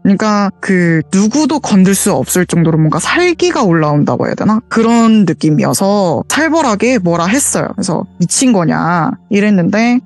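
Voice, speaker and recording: A woman calls in to tell a ghost story, speaking in an earnest, detailed way. Her voice sits at a medium pitch and comes through a voice call, with soft music playing faintly behind her. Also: big pitch swings, moderate pace, hardly any pauses. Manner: earnest, detailed retelling with quoted dialogue. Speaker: caller sharing a true ghost story. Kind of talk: casual spoken storytelling.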